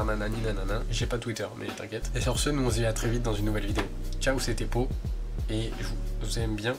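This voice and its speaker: Young man with a stuffy nose. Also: mid-range voice. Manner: chatty, rambling, with many fillers. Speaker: vlogger. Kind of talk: casual vlog chat. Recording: music playing behind.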